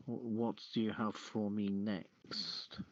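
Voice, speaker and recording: A man hosting a live voice-chat show, reading items aloud and chatting to listeners in a halting way. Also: fairly low pitch, level tone. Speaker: host. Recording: dull lo-fi voice-chat audio.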